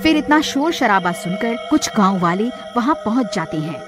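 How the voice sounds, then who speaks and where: A woman's voice: mid-range voice, very animated, normal speed. Woman narrating a cartoon horror story. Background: music.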